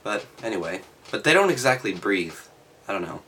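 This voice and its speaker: A man reading aloud and adding halting, offhand, skeptical commentary with sardonic asides. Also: lowish voice, very animated, bright, forceful tone, slight background noise. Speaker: reader and commentator.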